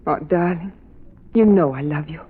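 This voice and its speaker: An actress playing an anguished woman in love, breathy and pleading, in melodramatic old-time radio drama style. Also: deep voice, normal speed. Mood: anxious, tender. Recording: tinny vintage radio recording.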